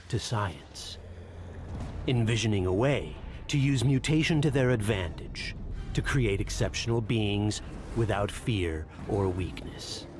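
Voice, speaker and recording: A man narrating a dark fantasy game tale as a grave storyteller, in a solemn, dramatic, measured manner. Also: fairly low pitch, slight background noise.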